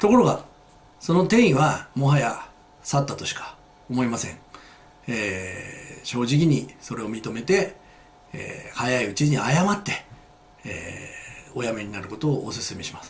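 Speaking fairly slowly with long, frequent pauses, a man with a fairly high voice swings his pitch very widely and his loudness by big amounts. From Kanagawa, Japan. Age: 50s. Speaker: YouTuber, amateur jogger; YouTuber. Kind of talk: casual vlog monologue. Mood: earnest, critical. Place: home room. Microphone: camera far.

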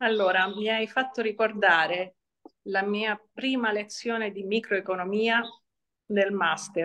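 A woman's bright, sharp voice at a medium pitch, very slow, with long, frequent pauses and fairly even intonation. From Italy. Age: 60s. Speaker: economist; guest. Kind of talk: interview. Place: home room. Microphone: video call.

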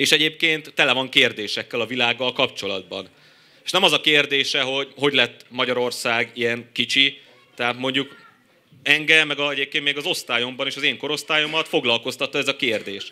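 At a fairly quick pace, a man speaks in a bright, sharp tone with fairly even intonation. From Hungary. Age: 30s. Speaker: youth movement leader; panel discussant. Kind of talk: panel discussion. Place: tent. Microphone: handheld.

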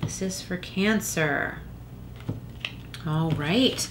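A woman with a fairly low pitch speaks at a fairly slow pace. Her pitch varies in an ordinary way, and there is noticeable background noise. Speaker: tarot card reader. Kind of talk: tarot reading commentary. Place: home room.

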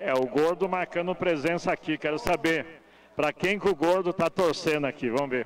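With light background noise, a man speaks at a high pitch and very even loudness. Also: ordinary pitch variation, moderate pace. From Brazil. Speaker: field reporter. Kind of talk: live commentary. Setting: pitchside at football match. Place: stadium.

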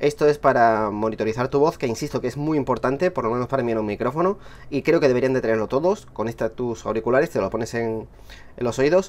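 Using ordinary pitch variation, a man speaks at a very fast pace. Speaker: tech reviewer. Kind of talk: product review commentary. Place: home room.

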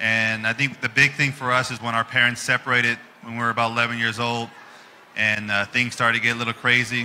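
With an American accent, a man talks at a moderate pace. There is light background noise. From US West Coast. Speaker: retired football quarterback; panelist. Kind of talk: panel discussion. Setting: stage with audience. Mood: reflective, candid. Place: stage. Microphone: handheld.

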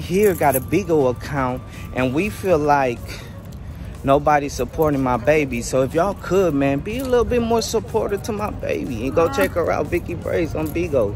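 A man speaks at a moderate pace. The sound is dry with no echo, and music plays clearly in the background. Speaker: vlogger. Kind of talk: casual vlog chat. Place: street. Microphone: phone near.

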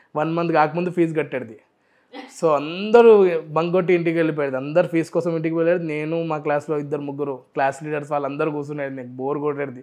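Against a quiet background, a man talks with a fairly high pitch and fairly even intonation. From Telangana. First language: Hindi/Urdu (speaking Telugu). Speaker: YouTuber and comedian; YouTuber, comedian. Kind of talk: interview. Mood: cheerful, laughing often. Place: studio. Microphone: lapel.

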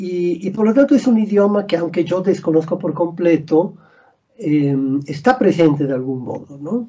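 Against a quiet background, a man speaks at a fairly slow pace and a high pitch. His tone is dark and mellow, and his intonation lively. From Italy (Milan), raised in Mexico from 15. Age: 60s. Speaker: poet and writer. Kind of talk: interview. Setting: video call. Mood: calm, thoughtful. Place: home room. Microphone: video call.

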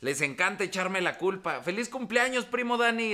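A man's bright, sharp tone. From Mexico. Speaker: relationship advice youtuber. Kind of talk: livestream chat reading viewer messages. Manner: animated. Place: home room.

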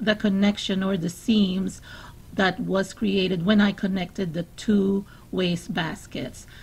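A woman speaks at a very slow pace. Her pitch is medium and her voice is somewhat breathy. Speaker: craft YouTuber. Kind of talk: tutorial.

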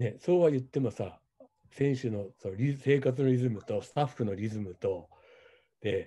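This man's voice has a dark, mellow tone, somewhat breathy, with ordinary pitch variation. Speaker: football coach. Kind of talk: casual chat.

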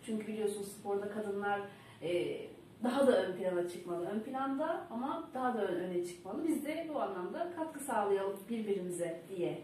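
A woman speaks at a moderate pace with very wide pitch swings. Light background noise and audible room echo sit behind her. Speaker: sports show host. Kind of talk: interview. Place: office.

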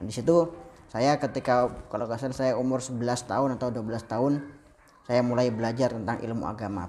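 With an ordinary speaking voice at a medium pitch, a man talks fairly quickly, his intonation fairly even. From Madura, Indonesia (Bangkalan). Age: 20s. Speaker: Islamic cleric. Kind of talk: interview.

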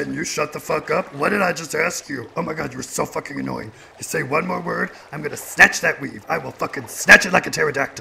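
Shouting in a put-on character voice, a man sounds raspy at a very fast pace, with big swings in loudness over clear background noise. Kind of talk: comic overacting. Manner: aggressive, shouting, profane.

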